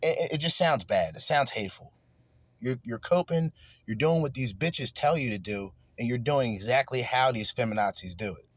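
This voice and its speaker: A man's voice: medium pitch, lively intonation, normal speed, dry recording. A man hosting a podcast, ranting crudely and angrily in heated commentary. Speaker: podcast host.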